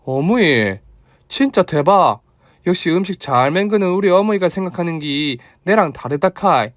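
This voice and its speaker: Man voicing a young daughter-in-law, Gyeongsang dialect, bright and teasing, higher pitch, dry recording. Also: animated, moderate pace, dry recording. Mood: playful. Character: generous, lively young daughter-in-law businesswoman.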